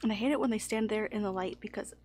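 A woman's voice: mid-range voice, fast talker, a little mellow, slight background noise. A woman hosting a let's play, joking wryly and often dropping into a half-whisper while her character sneaks. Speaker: gaming channel host.

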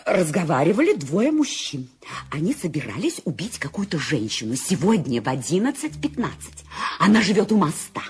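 An actress playing a nervous, demanding bedridden woman in a radio play, shrill and fretful. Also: sing-song, normal speed, a little hiss or hum. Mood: anxious. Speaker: Mrs. Stevenson. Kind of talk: Soviet-era radio play acting.

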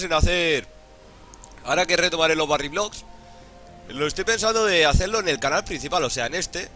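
A man's voice: fairly high pitch, sharp tone, a little hiss or hum. A hungover man with an accent from Spain giving casual, jokey, foul-mouthed gameplay commentary. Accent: Spanish (Spain). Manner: crude, jokey, profane slang. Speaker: gaming YouTuber.

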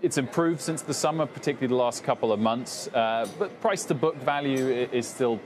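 A young male anchor asks brisk, probing questions, with ums between his phrases. His voice sits at a middle pitch. A faint hum from the busy trading floor lies under his voice. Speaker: TV business anchor. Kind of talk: TV business interview. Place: trading floor TV studio, indoors.

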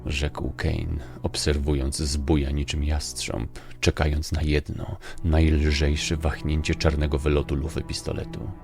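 A man narrating a dark adventure audiobook in a measured, ominous storytelling style. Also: extremely low pitch, completely flat delivery, vocal fry, over music. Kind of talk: scripted dramatic story narration.

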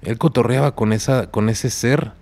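A man's voice: medium pitch, normal speed. A man with a Mexican accent, a podcast guest telling a story in slangy casual talk. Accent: Mexican Spanish. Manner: slangy, animated when quoting others.

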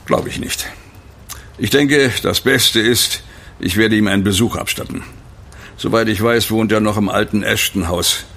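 A thoughtful police inspector in a horror radio play. His voice is fairly low and gravelly, and his delivery is tactful, deliberate and tentative. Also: fairly bright tone. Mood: pondering. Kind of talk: German horror audio drama acting.

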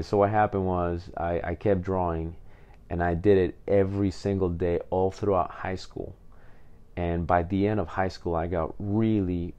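A very deep-voiced man from Peru hosts a podcast, telling his life story in a loose, rambling way. His voice stays level and even, with many "you know"s and repeated words. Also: smooth, dull audio. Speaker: podcast host. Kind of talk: casual personal storytelling.

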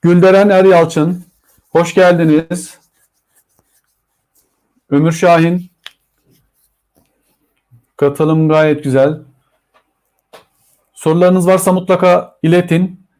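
A man with a Turkish accent teaching a live online English lesson to children, drawing out model phrases slowly. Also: on the high side, steady tone, a little mellow.

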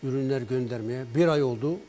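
A man telling a patient's story on a health program, lively and acting out both sides of the phone calls. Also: mid-range voice, fairly quick. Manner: animated storyteller, acts out patient's and his own words in dialogue. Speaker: herbal remedy expert on a broadcast.

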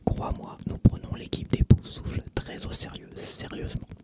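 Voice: moderate pace, lightly acted. A reader whispering the part of a cheeky, confident teenage boy in a storybook reading. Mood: teasing, reassuring. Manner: whispered throughout.

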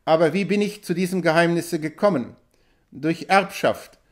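A man voicing a proud tribal chief in an audiobook, speaking in loud, urgent exclamations. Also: fairly high pitch, normal speed, lightly acted.

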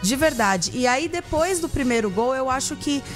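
A woman's voice: high-pitched, animated, normal speed, faint music behind. A woman co-hosting a radio sports show, chatting playfully with colleagues on a studio mic. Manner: chatty, playful, addresses listeners as "gente". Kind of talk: casual sports chat. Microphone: studio mic with headphones.

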